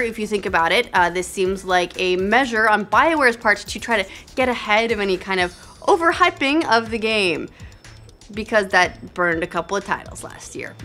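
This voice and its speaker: A young woman hosting a scripted gaming news show, reading stories briskly with upbeat, jokey asides. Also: medium pitch, bright, forceful tone.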